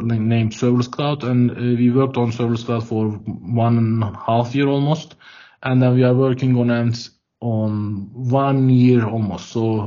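Speaking with a Turkish accent, a man from Turkey who heads product at a developer tool startup answers interview questions over a video call. His voice is mid-range and mellow; he pauses hesitantly and repeats words as he works through his thoughts. The audio is dull and lo-fi.

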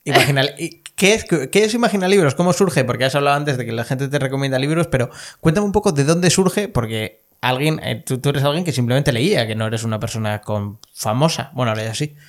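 A man's voice: medium pitch, animated, fairly quick, hardly any pauses. A man hosting a podcast in casual chat, joking and swearing freely. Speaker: podcast host.

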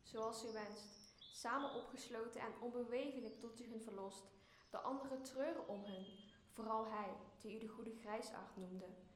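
A student actress playing an obedient, gentle airy spirit longing for freedom, speaking lyrically in a Shakespearean radio play. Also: female voice, on the high side, normal speed, roomy sound, slight background noise, close to an everyday voice. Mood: compassionate. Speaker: student actor.

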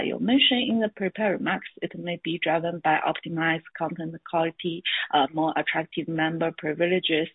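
A woman with a creaky, husky voice, a financial analyst asking a prepared question on an earnings call. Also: fairly low pitch, dry recording. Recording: dry, thin phone line.

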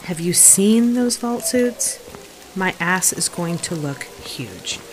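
A woman's voice: lowish voice, lively intonation, takes it slowly, background noise. A woman playing a sulky, self-deprecating young woman in an audio drama, wry and grumbling. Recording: loud music bed behind the voice.

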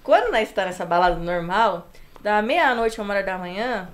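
A woman's voice: mid-range voice, expressive, moderate pace. A woman with a Brazilian accent telling casual anecdotes as a podcast guest, full of slang and re-enacted dialogue.

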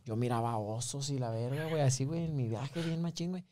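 A man's voice: mid-range voice, steady tone, quick pace, warm tone, slight background noise. A man casually telling drug anecdotes to friends, full of slang and laughter, acting out the people in them. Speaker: podcast host. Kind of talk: casual storytelling among friends.

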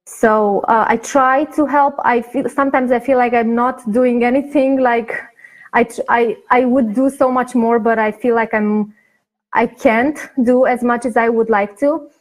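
A woman's voice: a little high, steady tone, unhurried, poor audio. Hesitant woman. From Romania. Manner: hesitant, many fillers and restarts. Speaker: guest, patient advocate. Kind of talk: interview answer.

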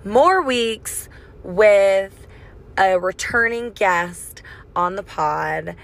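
A raspy young woman hosting a casual solo podcast, chatty and swearing freely, recorded on a phone mic in her car. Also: medium pitch, lively intonation, very slow. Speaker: podcast host. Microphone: phone microphone.

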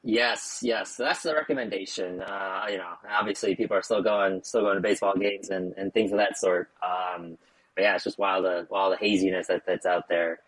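A man's voice: low-pitched, steady tone, normal speed, a bit bright, slightly rough, dry recording, poor audio. An American man hosting a podcast, chatting casually with lots of fillers and small talk. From United States. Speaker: podcast host. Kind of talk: casual interview chat. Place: Chicago.

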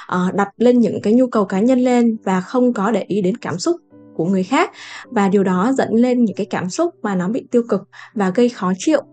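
A woman's voice: mid-range voice, darkish tone. A woman author speaking as a podcast guest, thoughtful and reflective, with many filler sounds. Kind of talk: casual podcast chat.

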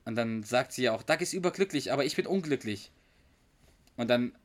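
A man co-hosting a podcast, chatting casually and retelling scenes at length, quoting characters and pausing to hunt for words. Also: mid-range voice, animated. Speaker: podcast co-host. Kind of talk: casual chat retelling a sitcom episode.

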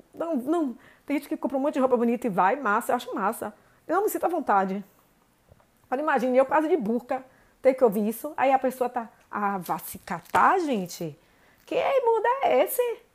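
A woman, telling a personal story to viewers in an indignant, animated way. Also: high-pitched. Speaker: vlogger.

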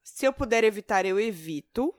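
A woman's voice: medium pitch, lively intonation, normal speed, dry recording, clean studio sound. A woman, co-hosting a podcast, chatting casually and chiming in with short agreements. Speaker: podcast co-host. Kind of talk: casual chat.

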